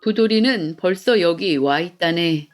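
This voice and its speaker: A woman voicing a calm, wise mountain hermit in a children's folktale, with measured old-fashioned speech. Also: on the low side, soft background music, voice pushed down, lightly acted. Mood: solemn. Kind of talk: children's storybook character voice.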